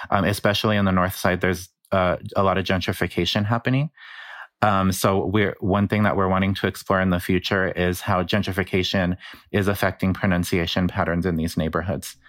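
In clean studio audio without room sound, a man with a low, fairly bright voice explains speech patterns earnestly. A researcher guest from New Mexico, he speaks with a New Mexico Chicano English accent and leans on lots of fillers throughout the interview.

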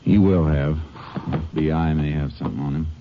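Very deep-voiced, terse Texas Ranger. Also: male voice, noisy background. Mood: steady, determined. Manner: terse, measured, calm. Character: steady, determined Texas Ranger lawman, also narrating. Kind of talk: 1950s radio western acting and narration. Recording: dull old radio broadcast recording.

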